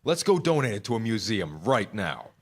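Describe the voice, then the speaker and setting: A man's voice: lowish voice, big pitch swings, normal speed. A man playing an anxious, sarcastic everyman in a staged comedy reading. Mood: dry, exasperated.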